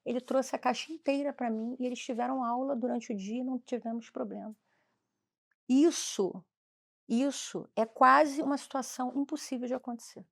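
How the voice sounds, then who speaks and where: Animated Brazilian woman telling stories. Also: sits high, moderate pace, creaky. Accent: Brazilian Portuguese. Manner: animated, acts out dialogue with shifting voices. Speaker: former school principal. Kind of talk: lively storytelling in conversation.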